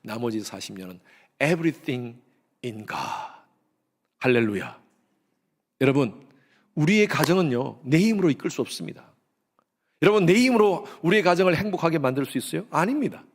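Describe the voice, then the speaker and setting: A middle-aged man preaching a sermon as pastor, swinging between loud exhortation and hushed, low tones. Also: lively intonation, normal speed, long pauses.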